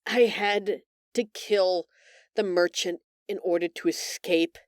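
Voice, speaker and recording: A gentle alien woman played by a female voice actor speaks slowly and earnestly in an intimate roleplay monologue. She sounds remorseful and empathetic, hesitating with feeling, in a very dry, close recording. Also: fairly low pitch, fairly even intonation, no room sound. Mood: bitter, intense. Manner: earnest, hesitant, emotional, with sighs and pauses.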